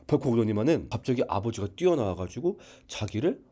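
A man telling a gospel story as a lively family drama, acting out the scenes as he goes. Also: medium pitch, fairly quick, husky. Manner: animated, acts out scenes. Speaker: Bible lecturer.

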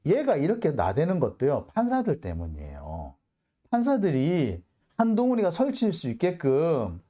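A man's voice: high-pitched, darkish tone. A man hosting a political commentary show, delivering an angry, sarcastic monologue full of curses and sighs. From South Korea. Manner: heated, cursing, sarcastic, sighing.

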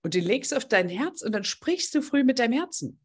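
A woman leads a group coaching session in a gushing, heartfelt manner. Her voice is a little breathy and husky, sitting slightly high, and her pitch leaps about with lively expression. She talks openly to each participant. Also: fairly quick. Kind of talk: casual online group coaching.

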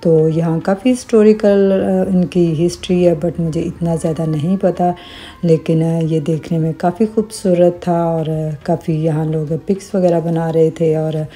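A middle-aged woman narrating her family travel vlog as a calm voice-over, with religious greetings and small hesitations. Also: on the low side, moderate pace, faint music behind. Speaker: vlogger.

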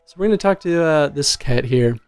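Young man, game co-host, casual commentary, slightly high voice, faint music. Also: animated, a little fast, clean tone. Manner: chatty, explaining gameplay. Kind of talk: casual let's-play commentary. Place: indoor studio, seen on camera.

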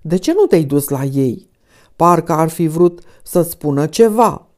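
A woman reading an audiobook voices an older nobleman father, speaking in a measured, sympathetic way. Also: low-pitched, animated. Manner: warm, measured, sighing.

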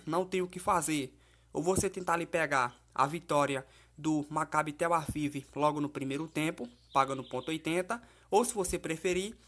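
A man's voice: on the high side, pushed and bright. Chatty Portuguese-speaking man giving football bets. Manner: chatty, fillers like "né?" and "beleza?", addresses viewers as "família" and "galera". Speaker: football betting tipster. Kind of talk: casual betting-tips commentary over app screenshots. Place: voice-over, not recorded in the pictured place.

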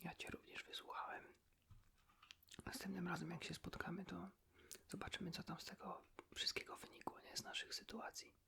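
A man speaking in a hushed, breathy whisper, chatting casually and confidingly as if to a friend in an ASMR style. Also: sits high, flat delivery, normal speed. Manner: colloquial, rambling, ends phrases with a tag question. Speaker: ASMR creator talking to the listener as a friend.

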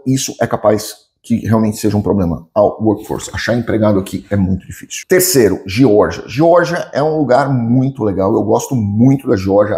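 A man's voice: on the low side, gravelly, dark tone. A man in his forties with a Brazilian accent, giving opinionated, conversational commentary to camera with emphatic repetition. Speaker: lawyer and business commentator. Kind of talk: informal explanatory commentary to camera. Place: home office or study with bookshelves, indoors.

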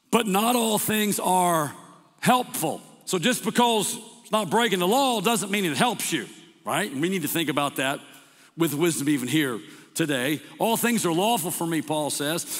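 A man preaching a sermon as pastor, emphatic, repeating words and slowing down to stress scripture. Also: high-pitched. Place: church sanctuary. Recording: long hall reverb.

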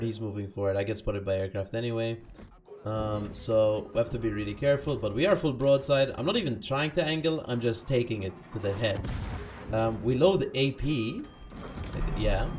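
A man's voice: mid-range voice, darkish tone, a little hiss or hum. A man giving casual live commentary over his own gameplay, chatty and self-correcting, having just woken up. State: just woke up.

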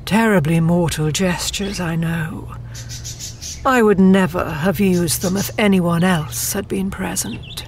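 An actress playing an imperious, weary immortal ruler in an audio drama monologue, measured, formal and haughty in manner. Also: female voice, on the low side, a little hiss or hum. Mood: exasperated, disdainful.

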